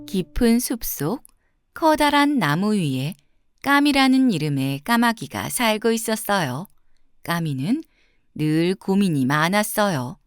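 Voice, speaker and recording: Expressive woman reading children's fairy tales. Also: mid-range voice, a little slow, no room sound, clean studio sound, soft background music. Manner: expressive, clearly phrased storytelling. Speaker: children's storyteller. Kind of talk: scripted fairy-tale narration for children.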